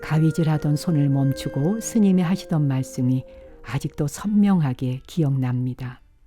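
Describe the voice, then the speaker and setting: Music plays in the background as a woman talks at a fairly slow pace. Her pitch is very deep and low, with ordinary pitch variation. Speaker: Buddhist monk, author. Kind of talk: reading from own essay book. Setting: studio.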